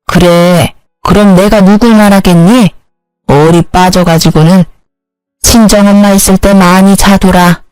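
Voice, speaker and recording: A woman's voice: mid-range voice, fairly even intonation, unhurried, a little mellow, clean tone, no room sound, faint music behind, lightly acted, low-quality recording. Storybook mother-in-law, older, curt and prying, dry close voice, as a woman reads her. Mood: brusque. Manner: blunt, brusque questioning.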